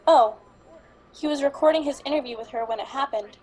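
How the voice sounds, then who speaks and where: A woman playing an earnest, apologetic police officer who mourns a colleague, speaking haltingly in an amateur radio drama. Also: high-pitched, darkish tone, lightly acted, low-quality recording. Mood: earnest, sorrowful.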